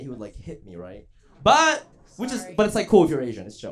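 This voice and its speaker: A man with an American accent talks at a very fast pace, his pitch swinging very widely. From Columbus, Ohio. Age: 30s. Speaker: blind date contestant. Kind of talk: casual chat on stage. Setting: live stage with audience.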